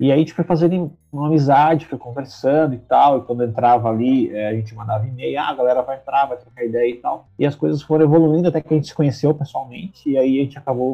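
A man of medium pitch talks at a very fast pace with hardly any pauses. His pitch variation is ordinary. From Sorocaba, São Paulo state, Brazil. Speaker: HR professional and career coach. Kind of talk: casual interview.

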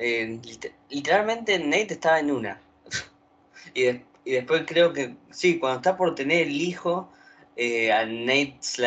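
A man with a Rioplatense accent, fairly high pitch, lively intonation and a fairly slow pace. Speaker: podcast co-host. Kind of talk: casual chat.

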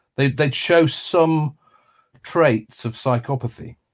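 A man speaks with a Lancashire accent and ordinary pitch variation. His pace is fairly slow. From northern England, Lancaster. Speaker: health author. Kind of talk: casual interview.

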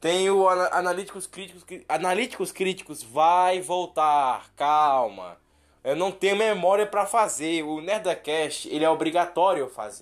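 A man speaks in a high voice with an animated tone and ordinary pitch variation. The pace is moderate, and the recording is very clean with a silent background. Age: 20s. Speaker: podcast host. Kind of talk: casual monologue.

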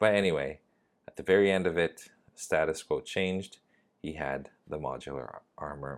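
Speaking with vocal fry at a very deep, low pitch, a man moves at a moderate pace with ordinary pitch variation and big swings in loudness. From Canada. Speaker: toy collecting podcaster. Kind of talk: solo podcast monologue. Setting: home recording for video and audio. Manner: casual, many fillers.

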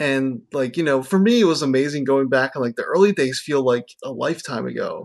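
In a plain, everyday voice, a man with fairly high pitch and ordinary pitch variation speaks. His pace is fairly quick, with hardly any pauses. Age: 30s. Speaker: podcaster. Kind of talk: casual chat.

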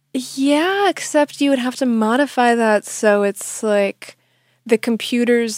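Recorded very cleanly against a silent background with a dry, close sound and no echo, a woman with an American accent and a plain, everyday voice speaks at a fairly slow pace with ordinary pitch variation. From Russian immigrant raised in the US. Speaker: podcast host. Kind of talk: casual interview conversation.

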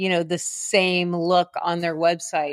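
A woman speaks in a fairly low pitch with an American accent. The recording is very clean, with a silent background. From US Midwest. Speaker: headshot photographer. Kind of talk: interview.

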